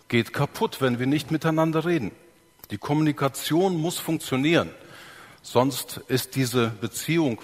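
Male preacher, teaching sermon, explains step by step and asks his listeners questions, long hall reverb. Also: medium pitch. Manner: explains step by step, acts out examples, asks the audience.

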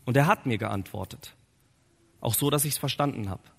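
A man preaching a sermon in an animated, conversational storytelling manner, recorded in a church hall. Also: mid-range voice, normal speed, gravelly, breathy edge. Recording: long hall reverb.

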